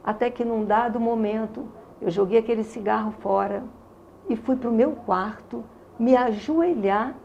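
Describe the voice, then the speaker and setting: A gravelly-voiced Carioca woman in her sixties. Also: on the high side, a little slow, dark tone, lo-fi sound, slight background noise. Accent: Carioca Brazilian Portuguese. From Rio de Janeiro, Brazil. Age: 60s. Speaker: interview guest giving a testimony. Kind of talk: religious testimony in conversation.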